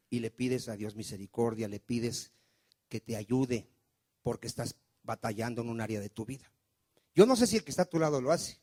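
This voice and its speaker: A male pastor preaching in church, firing questions at the congregation and dropping soft and low for quoted prayers. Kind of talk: sermon.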